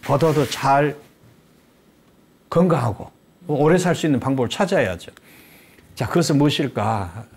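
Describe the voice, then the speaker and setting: A man's voice: mid-range voice, normal speed, gravelly, pauses often, slightly rough. Older guy lecturing on a studio talk show, keeps asking then answering his own questions, emphatic teacher vibe, voice goes up and down a lot. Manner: poses rhetorical questions then answers them; lively, emphatic teacherly delivery. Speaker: guest expert lecturer.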